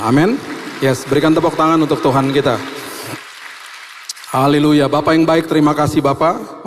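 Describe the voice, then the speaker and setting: A male pastor telling a lively personal story in a sermon and closing in prayer, acting out the dialogue. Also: medium pitch, in a large hall, a little hiss or hum. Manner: animated, acts out dialogue.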